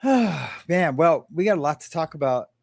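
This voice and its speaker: A man's voice: fairly high pitch, animated, measured pace, gravelly, no echo. Laid-back rambling man with dry sound. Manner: rambling, laughs often, many fillers and restarts. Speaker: livestream co-host. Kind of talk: casual live chat.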